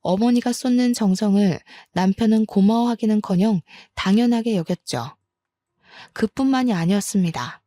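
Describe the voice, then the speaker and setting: Calm woman narrating a personal story. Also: mid-range voice, normal speed, no echo.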